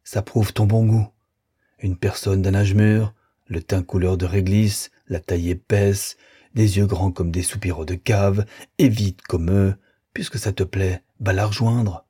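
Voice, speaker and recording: A man voicing a fiery young woman, a kept mistress who trades sharp retorts and then begs desperately. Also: low voice, fairly even intonation, measured pace, slightly rough, no echo, clean studio sound, heavily acted. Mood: scornful.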